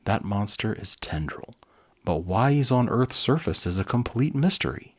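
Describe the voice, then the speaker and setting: A man's voice: lowish voice, lively intonation, moderate pace. A man voicing an earnest doctor hero in a children's storybook, speaking with emphatic certainty. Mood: urgent, certain.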